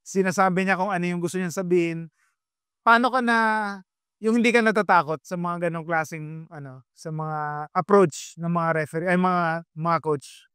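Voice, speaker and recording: A man's voice: sits high, moderate pace, fairly bright tone, clean tone, no echo, clean studio sound. A man hosting a sports interview show, asking probing questions and mixing English into his sentences. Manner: switches between local language and English mid-sentence, probing.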